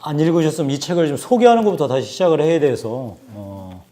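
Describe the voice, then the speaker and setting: A man in his forties giving a book talk, explaining numbers in a measured way with frequent hesitations. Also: a little high, expressive, dark tone. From South Korea. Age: 40s. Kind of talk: lecture-style talk with statistics.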